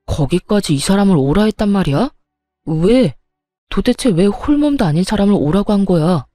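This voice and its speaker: A woman voicing a young husband who shouts at his mother in an exasperated way in a narrated story. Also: medium pitch, expressive, moderate pace, no echo, clean studio sound, soft background music, natural voice. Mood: angry.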